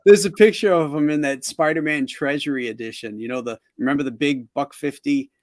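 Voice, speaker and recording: A man's voice: on the high side, brisk, no room sound, studio quality. A middle-aged man hosting a casual interview over a video call, telling anecdotes with frequent laughs. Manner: chatty, laughs often while telling anecdotes. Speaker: show host.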